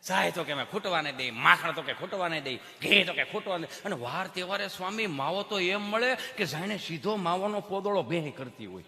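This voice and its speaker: A stand-up comedian tells Gujarati folk comedy stories on stage, his high voice running a little fast with hardly any pauses. He's animated, acting out the mothers, children and doctors in his tales, and a long reverb tail follows him.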